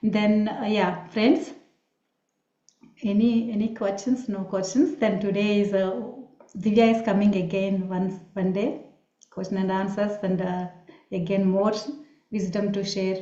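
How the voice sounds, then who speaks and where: The voice is somewhat breathy and fairly slow, with ordinary pitch variation, long, frequent pauses and audible room echo. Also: woman, medium pitch for a woman. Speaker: meditation channel host. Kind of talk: online meditation group talk. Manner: halting.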